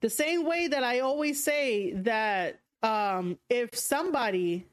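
A woman's voice: a little high, animated, slow. A young woman with a New York accent, hosting a casual livestream podcast, speaking frankly and rambling with lots of fillers and restarts. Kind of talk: casual livestream chat reading viewer comments.

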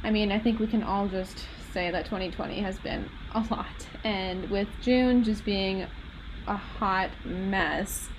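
A woman's voice: medium pitch, steady tone, a little slow, poor audio. A young woman with a Minnesotan American accent hosting a podcast as a candid, chatty, rambling and self-deprecating monologue. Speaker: podcast host. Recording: noticeable background noise.

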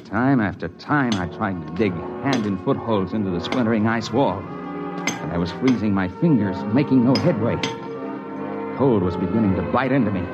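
A man narrating a mountain adventure in the first person, steady and matter-of-fact, in an old radio drama style. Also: on the low side, moderate pace, close to an everyday voice. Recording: lo-fi old radio broadcast with music.

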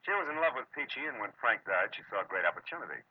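A man's voice: medium pitch, big pitch swings, fast talker, slightly rough, no room sound. An American man acting a wry, world-weary private detective in a terse, hard-boiled 1940s radio drama style. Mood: matter-of-fact, wry. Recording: muffled, noisy vintage radio recording.

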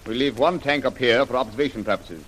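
An actor playing a clipped, authoritative army colonel who gives orders in a 1930s radio drama. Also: male voice, medium pitch, fast talker, fairly bright tone, lightly acted, low-quality recording. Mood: measured. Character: commanding army colonel leading tank squadron. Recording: faint hiss of an old radio recording.

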